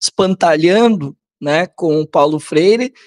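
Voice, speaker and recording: A Brazilian man hosting political commentary, reading aloud and commenting in a halting, conversational way that often seeks the listener's agreement. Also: on the high side. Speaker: host of a political commentary channel.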